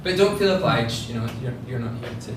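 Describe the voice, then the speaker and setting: A man with a strong Scottish accent giving an informal public talk as a curator, chatty and halting, often repeating words. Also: medium pitch, expressive. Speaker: gallery curator co-presenting an exhibition tour. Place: indoor gallery space. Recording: very echoey room, distant mic, noisy.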